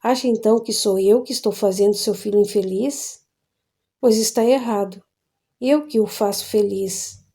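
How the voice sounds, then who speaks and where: A woman's voice: medium pitch, moderate pace, mellow, husky. A woman reading an audiobook, voicing a cynical married woman who talks in a mocking, insolent way.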